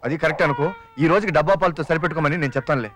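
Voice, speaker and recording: A man's voice: on the high side, fairly bright tone, natural voice. An actor playing a young father who pleads and jokes as he talks his friend into a scheme, in a comic film. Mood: fast pleading. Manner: fast, pleading and joking.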